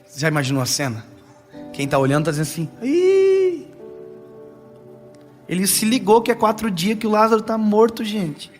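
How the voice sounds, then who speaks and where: A young man from preaching a sermon, telling lively family stories with playful asides and slow, dramatic pauses. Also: high voice, soft background music. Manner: animated, storytelling with playful asides and dramatic slowdowns. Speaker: pastor.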